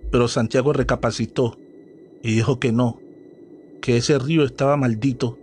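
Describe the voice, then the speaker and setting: Male horror narrator, mid-pitched voice, dramatic steady telling. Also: moderate pace, slight background noise.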